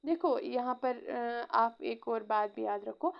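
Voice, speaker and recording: A woman gives an exam-prep history lecture in a slightly high voice. She keeps pausing to check in with her students and drops English phrases into her explanations. The recording sounds dull and muffled. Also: vocal fry. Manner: frequent "theek hai" check-ins, mixes English phrases. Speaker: teacher.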